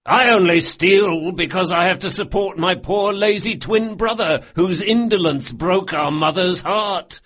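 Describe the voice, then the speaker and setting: A cheeky young thief, twin to another, as a male narrator puts him on, voiced much higher than the reader's usual tone and loud. He needles in a falsely solemn way. The sound is slightly lo-fi. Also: unhurried, few pauses. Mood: teasing. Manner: teasing, mock-pious.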